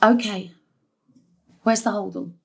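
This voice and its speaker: A woman's voice: medium pitch, steady tone, slow pace, vocal fry, slight background noise. An actress playing an exasperated, long-suffering middle-aged mother in a naturalistic drama, with emotional delivery. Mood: resigned, brisk. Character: harried, long-suffering mother caring for mother and daughter.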